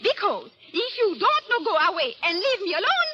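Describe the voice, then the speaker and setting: An actress playing a distressed, volatile young foreign society ward in theatrical old-time AM radio drama style. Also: female voice, big pitch swings, a little fast, very noisy. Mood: furious. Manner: theatrical, highly emotional. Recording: dull AM radio sound, music.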